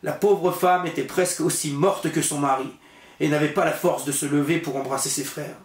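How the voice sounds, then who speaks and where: A man reading a fairy tale aloud as a bedtime story, steady and unhurried. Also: on the high side. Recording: roomy echo.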